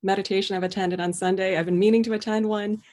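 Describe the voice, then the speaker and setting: Mid-pitched American woman, casual and appreciative. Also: steady tone, quick pace, warm tone. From Pennsylvania, United States. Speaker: meditation attendee. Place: online video call.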